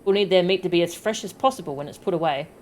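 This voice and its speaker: A woman's voice: fairly low pitch, rapid-fire, a little mellow, slight background noise, lightly acted. A friendly tribal villager out of a video game, voiced by a woman. The talk is chatty and a little apologetic, always reassuring, with music playing behind it. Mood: upbeat, reassuring. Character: hungry, friendly tribal villager asking for hunting help.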